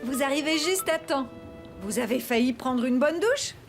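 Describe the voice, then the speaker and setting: A woman's voice: high voice, animated, moderate pace. A woman voicing a caring, reassuring mother in a French children's cartoon, with a tender, soothing manner. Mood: brisk, caring. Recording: faint music behind the voice.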